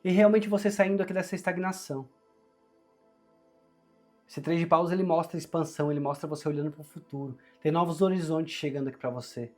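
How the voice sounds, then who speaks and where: A man's voice: fairly high pitch, fairly even intonation, brisk, a little mellow, soft background music. A Brazilian man with a sore throat, forcing his strained voice as he gives a conversational, encouraging tarot reading to viewers. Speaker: tarot reader, channel host.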